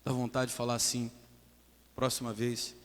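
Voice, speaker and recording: A man's voice: medium pitch, completely flat delivery, normal speed, long reverb tail. A man preaching a sermon as pastor in a church, emphatic, calling for amens and mimicking his congregation.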